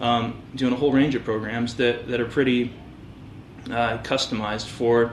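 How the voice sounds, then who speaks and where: A man with an American accent speaks in a monotone, flat intonation, with audible room echo. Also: medium pitch for a man, moderate pace. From Southern California, Orange County. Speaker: fitness professional and training centre organiser. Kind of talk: interview. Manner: halting, many repetitions and fillers.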